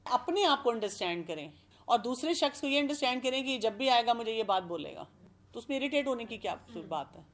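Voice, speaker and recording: Woman, expert guest, advice talk, calm explanatory manner, a bit high-pitched. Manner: calm, explanatory, gives examples.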